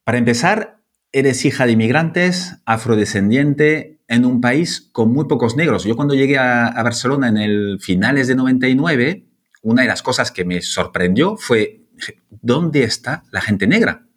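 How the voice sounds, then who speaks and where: Lively, husky male podcast host. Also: medium pitch, normal speed. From France. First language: French. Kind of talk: podcast introduction and interviewing.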